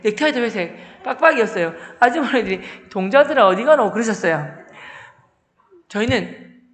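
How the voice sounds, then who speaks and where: A man gives a humorous testimony as a church deacon. He acts out every exchange in lively storytelling, jumping into loud outbursts, and his voice sits unusually high. A church hall around him adds a long, roomy reverb.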